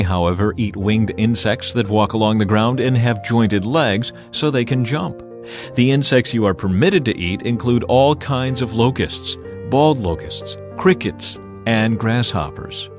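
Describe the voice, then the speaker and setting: A man reading scripture as a dramatized audiobook, in a solemn, measured, deliberate manner. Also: medium pitch, lively intonation. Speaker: scripture narrator. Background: music.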